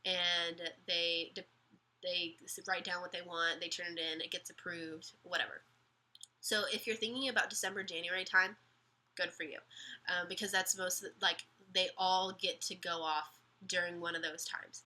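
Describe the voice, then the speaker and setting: A young woman vlogging casual advice, sick and slightly raspy, chatty with lots of ums and restarts. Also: fairly low pitch, level tone, normal speed, sharp tone.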